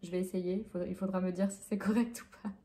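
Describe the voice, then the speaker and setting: A young French teacher from France answers interview questions hesitantly, with many fillers and self-corrections. Her voice is mellow and on the low side, with fairly even intonation and a quick pace.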